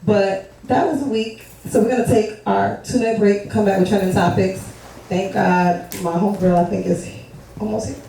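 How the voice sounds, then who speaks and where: Loud laughing New York woman co-host in an echoey studio. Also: mid-range voice, steady tone, normal speed, creaky, distant mic, a little hiss or hum. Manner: loud, laughing, talks over others. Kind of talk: casual studio banter.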